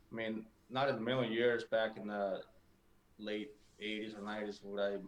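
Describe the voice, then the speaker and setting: The speaker talks at a fairly quick pace with a strong Mexican accent. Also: man. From Mexico. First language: Spanish. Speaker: podcast guest. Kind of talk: casual conversation. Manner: halting, many fillers and repeats.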